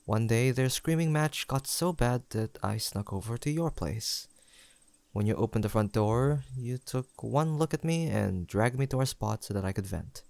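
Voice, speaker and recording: A young man playing a sentimental, teasing longtime best friend in an intimate audio roleplay, pausing for an unheard listener. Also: mid-range voice, expressive, gravelly, no echo. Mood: reflective storytelling. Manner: soft-hearted, playful banter with pauses for an unheard listener.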